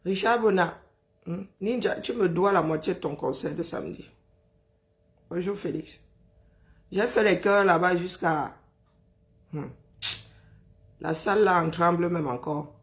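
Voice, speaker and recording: In a lowish, hoarse, tired voice, a Cameroonian French-accented woman chats with the people watching her live stream. She teases them, greets them one by one, and hums or sighs at length whenever there's a pause.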